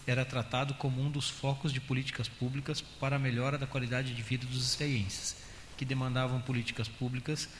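A man with a Brazilian accent reading council motions aloud in a steady, measured official tone. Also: medium pitch. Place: council chamber. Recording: echoey chamber audio with faint hiss.

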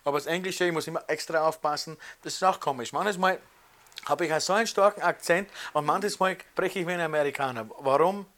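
A man's voice: on the high side, a little fast, fairly bright tone. An older man recalls things casually in colloquial dialect, mixing in English words. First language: German. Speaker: emigrant interviewee. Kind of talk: casual spoken recollection.

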